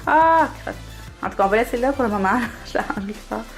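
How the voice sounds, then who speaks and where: A woman's voice: mid-range voice, very fast, soft background music. A young woman with a Québécois French accent, chatting casually as she shows off her planner, with lots of fillers and little laughs. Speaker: planner vlogger. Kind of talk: casual show-and-tell.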